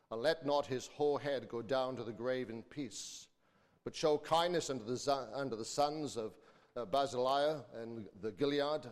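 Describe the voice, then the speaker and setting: A man preaching to a congregation, speaking informally and reading from scripture. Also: medium pitch. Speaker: preacher and school teacher. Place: large reverberant church or hall. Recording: echoey hall with long reverb.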